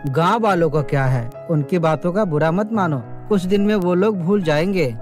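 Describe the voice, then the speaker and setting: A man voicing a caring, calm young husband with gentle, concerned delivery in a cartoon story. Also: high voice, normal speed, soft background music, lightly acted.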